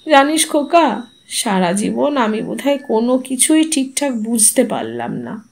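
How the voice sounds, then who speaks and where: A woman voicing an older widowed mother who speaks softly and with resignation. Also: on the high side, sing-song, unhurried. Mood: resigned. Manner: soft, subdued, resigned.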